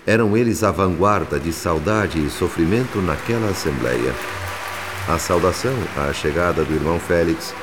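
A Brazilian man playing a humble, reverent narrator in a radio drama, speaking in a measured, literary and solemn way. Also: low-pitched, animated, noisy background. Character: reverent, moved male spirit narrator, humble disciple. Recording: long hall reverb, music behind. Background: music.

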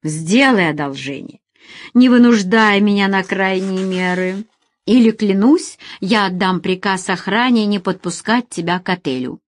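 A woman's voice: medium pitch, unhurried, no room sound, clean studio sound, close to an everyday voice. A woman voicing a tired aging man who speaks in a weary, curt way, as in an audiobook. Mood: stern.

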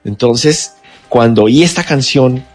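A man from Colombia, an actor in his forties, chatting in a relaxed way on a radio interview, with many restarts. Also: mid-range voice, slow pace, soft background music. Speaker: guest actor. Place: radio studio.

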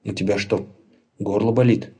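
A man's voice: lowish voice, little pitch movement, normal speed, dark tone, breathy edge. A man voicing a friendly young male rabbit who asks kind, plain questions in a storybook.

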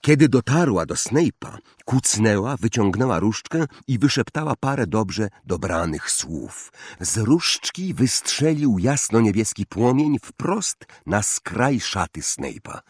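A man narrating an audiobook with expressive, dramatic storytelling. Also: on the low side, slow, breathy edge, dry recording, studio quality. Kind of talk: audiobook reading.

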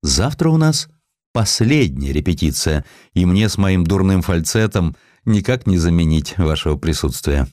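Reserved male conductor, acted by a man, deep voice, formal, politely insistent, audio story figure. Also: big pitch swings, moderate pace, a little mellow, no room sound, clean studio sound.

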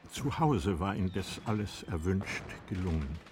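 A man narrating a literary radio drama in a sober, deliberate way, phrase by phrase. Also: low voice, lively intonation, darkish tone, slight background noise.

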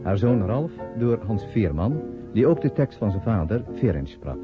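A man's voice: lowish voice, very animated, normal speed. A man reading scripted closing credits as a radio play announcer. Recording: muffled old radio recording, loud guitar music.

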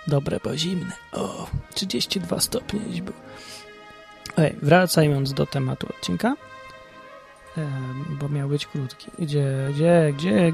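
A man's voice: fairly high pitch, creaky, darkish tone. A man hosting his own podcast in a rambling, self-ironic casual monologue. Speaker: podcast host.

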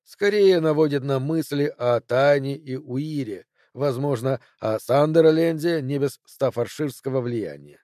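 Brief: self-assured detective, crisp and precise, mellow tone, dry close sound, as a male narrator puts him on. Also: medium pitch, a little slow, hardly any pauses, no echo, lightly acted. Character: sharp, confident male detective Holmes. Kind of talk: audiobook character voice.

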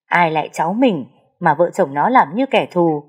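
A woman's voice: fairly low pitch, lively intonation, normal speed, husky. A woman voicing a kind older male neighbor who earnestly defends a mistreated girl. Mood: earnest, indignant. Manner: earnest, indignant, fatherly. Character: kind older man, neighbor, protective and indignant.

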